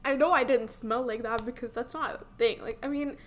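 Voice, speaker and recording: A woman's voice: a little high, steady tone, brisk. A young woman from India with a light Indian accent, chatting casually about her own experiences and filling her talk with "like" and restarts. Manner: chatty, filler-heavy, many "like"s and restarts. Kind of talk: casual personal chat.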